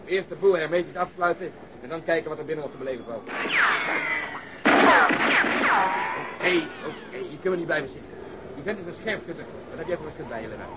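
Actor as a brash, fast-talking police detective. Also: male voice, a little high, expressive, heavy background noise, close to an everyday voice. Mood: tense, irritated. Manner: gruff, blunt, swearing. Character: brash, reckless, foul-mouthed male police detective under sniper fire. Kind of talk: radio drama acting.

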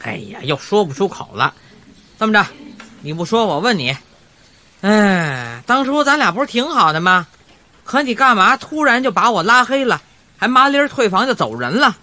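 An actor playing a sulky, teasing young grandson with a Beijing accent in a radio drama over background music. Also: male voice, high voice, very animated, normal speed, pushed and bright, heavily acted. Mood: impatient. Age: young adult. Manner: teasing, offhand.

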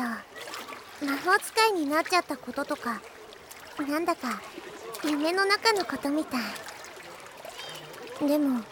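A woman's voice: sits high, background noise. A woman playing a cheerful, earnest young schoolgirl in an anime audio drama.

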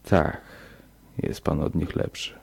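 A man voicing a cringing, enslaved male demon who speaks low, bitter and subdued in a horror audiobook. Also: slow pace, darkish tone, close to an everyday voice. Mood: grudging.

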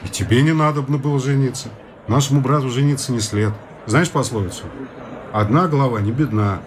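An actor playing a worldly bachelor friend in a radio play, matter-of-factly lecturing against marriage. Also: male voice, medium pitch, brisk, background noise, natural voice. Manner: lecturing, confiding, matter-of-fact. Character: worldly bachelor friend, sober-minded young man.

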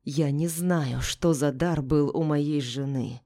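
A weary aristocrat answers in an icy murmur, as a woman narrating a storybook puts him on. The voice stays low, quiet and flat, with a dark, mellow tone. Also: slow pace. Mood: cold. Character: cold, weary aristocratic husband.

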